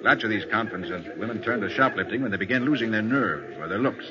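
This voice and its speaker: An actor playing a confident, commanding private detective in a 1940s radio crime drama, brisk and authoritative. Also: male voice, on the low side, animated, crowd noise, close to an everyday voice. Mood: assured, probing. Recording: dull lo-fi 1940s radio recording.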